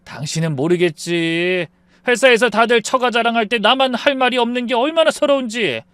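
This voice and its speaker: A man voicing an arrogant, drunk husband who sneers and shouts in a high, strained voice. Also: normal speed, clear, resonant tone, no echo. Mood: shouting.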